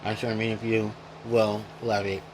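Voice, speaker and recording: A man's voice: on the low side, flat delivery, normal speed, background noise. A man hosting a casual gaming retrospective, rambling and correcting himself as he goes, chewing while he talks. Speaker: gaming video host.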